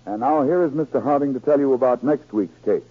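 A man's voice: medium pitch, a little fast, faint music behind. A man working as an old-time radio announcer, reading promos in a formal, dramatic, emphatic way on a 1940s broadcast recording. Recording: scratchy, narrow-band 1940s radio recording.

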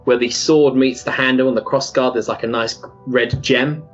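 A man's voice: mid-range voice, steady tone, moderate pace, lo-fi sound, faint music behind. A man narrating a tabletop game as game master, in loose, chatty talk full of fillers and laughs.

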